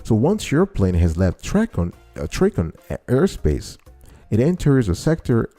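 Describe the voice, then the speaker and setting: A man's voice: fairly low pitch, wildly swooping pitch, a little slow, dark tone, faint music behind. A man hosting an informal explainer, teaching step by step and restating key phrases to his listeners. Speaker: show host and explainer.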